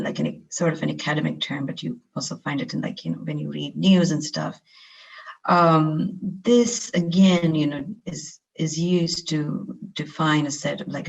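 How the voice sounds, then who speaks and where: A woman's voice: deep voice, creaky, lo-fi sound. A young woman from India giving a webinar lecture over a video call, talking conversationally with many fillers and restarts. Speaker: guest lecturer.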